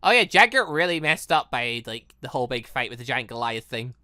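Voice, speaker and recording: Animated, bright-voiced game commentator. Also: medium pitch, a little fast, no echo, clean studio sound. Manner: rambling, stumbles over words. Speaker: gaming channel host reading and reacting to a visual novel. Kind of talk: casual let's-play commentary with read-aloud dialogue.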